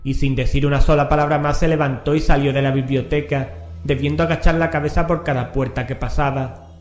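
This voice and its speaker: A man's voice: mid-range voice, fairly even intonation, brisk. A man narrating a scripted horror story in a solemn, dramatic manner. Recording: echoing, music underneath.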